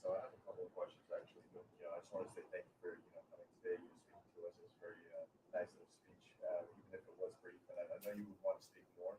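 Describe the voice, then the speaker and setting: Distant and echoey over clear noise, a man asks an informal question from the audience. His voice is very low and flat, and he talks quickly. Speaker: audience member asking a question. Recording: echoey, far from mic, clear background noise.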